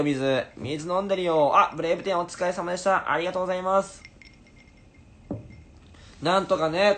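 Man in his twenties, mid-range voice, chatty and animated, informal livestream talk, phone mic, faint room noise. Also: medium pitch. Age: 20s. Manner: animated, chatty, reading and answering viewer comments. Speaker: stage actor livestreaming to fans. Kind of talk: casual livestream chat. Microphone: phone at arm's length.

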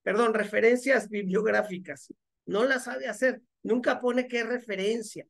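A man's voice: sits high, fairly even intonation, a little slow, gravelly, a bit bright. A man giving mocking, sarcastic commentary as he reads out viewer comments. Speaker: religion critic commentator.

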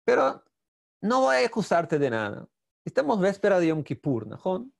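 A simple, poor peasant man pours out his troubles to God in a plaintive, earnest voice, as a male teacher acts him out. The voice sits fairly high and carries a gravelly edge. The speaker's first language is Portuguese. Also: very animated, normal speed, heavily acted. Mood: bargaining.

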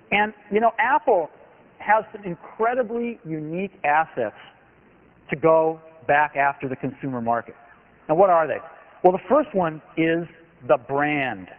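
A man in his forties giving an emphatic product keynote on a big conference stage. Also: a little high. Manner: enthusiastic, emphatic salesmanship. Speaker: company executive giving a keynote. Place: large conference hall stage. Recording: tinny lo-fi archive recording of a hall.

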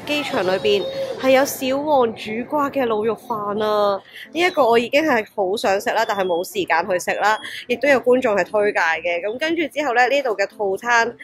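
A young woman with a Hong Kong Cantonese accent, narrating a travel vlog in a chatty, excitable way and exclaiming over food. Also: fairly high pitch, fairly quick, few pauses. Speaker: travel vlogger. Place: restaurant table, indoors. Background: background music.

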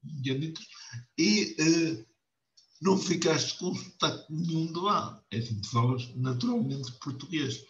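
A middle-aged man hosting a relaxed interview from his home office, talking animatedly close to his webcam. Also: on the high side, unhurried. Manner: animated, leans close to the camera. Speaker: interview host. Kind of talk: casual interview chat. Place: home office with wooden door. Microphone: webcam on a video call. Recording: roomy, dull video call audio.

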